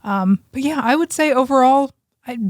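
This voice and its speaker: Higher-voiced woman in casual podcast chat. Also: normal speed, no echo, studio quality. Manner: informal, peppered with slang and mild swearing. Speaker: podcast co-host.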